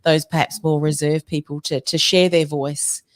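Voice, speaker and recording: A woman's voice: deep voice, little pitch movement, moderate pace. A woman podcast host asking questions thoughtfully, with plenty of fillers. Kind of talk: interview questions.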